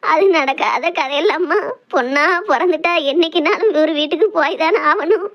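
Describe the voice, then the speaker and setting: A village mother, as a woman puts her on. She speaks in a soothing, consoling way with a high voice. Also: normal speed, dull audio, natural voice. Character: fretting village mother of the bride.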